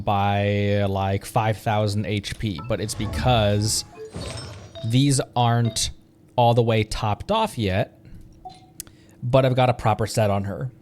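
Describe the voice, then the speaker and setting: A man's voice: fairly low pitch, darkish tone. A man chatting casually as he hosts a gaming livestream, rambling in loose asides. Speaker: streamer and channel host.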